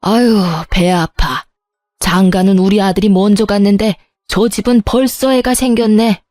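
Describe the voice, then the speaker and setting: A woman's voice: medium pitch, little pitch movement, normal speed, mellow, no room sound, studio quality, soft background music, close to an everyday voice. A woman voicing a scornful middle-aged mother-in-law who sighs, nags and belittles. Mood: grumbling. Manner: sighing, nagging and belittling.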